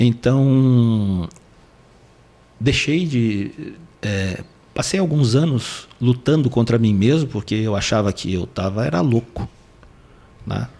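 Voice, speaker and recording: A man with a dark, mellow tone and medium pitch speaks at a very slow pace, his intonation lively and his pauses long and frequent. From southern Brazil, Porto Alegre (Rio Grande do Sul). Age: 60s. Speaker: near-death experience survivor, spiritual guide. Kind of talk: interview testimony. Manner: halting, with fillers.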